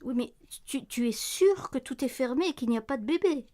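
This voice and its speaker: An actress playing an anxious, insistent wife in a radio play, fretting over noises at night. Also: female voice, sits high, lively intonation, fairly quick, warm tone. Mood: fretful, nagging. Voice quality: insistent, fretful. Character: anxious, insistent wife, worried, sharp-tongued.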